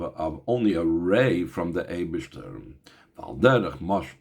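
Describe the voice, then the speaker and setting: A man teaching a Chassidic text, reading out Hebrew phrases and explaining them in English, often asking rhetorical questions. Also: lowish voice. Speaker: Torah teacher.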